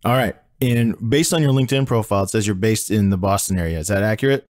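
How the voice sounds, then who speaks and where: A man's voice: lowish voice, fast, a little mellow, no echo, clean studio sound. A man hosting a podcast, asking interview questions in an upbeat, joking way. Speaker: podcast host.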